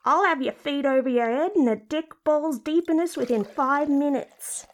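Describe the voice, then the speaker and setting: A woman's voice: sits high, moderate pace, natural voice. Woman putting on a brash, bossy, crude female creature. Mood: bossy, lustful. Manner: blunt, bossy, sardonic. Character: brash, crude, lustful female talking body part. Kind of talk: comedic erotic audio roleplay.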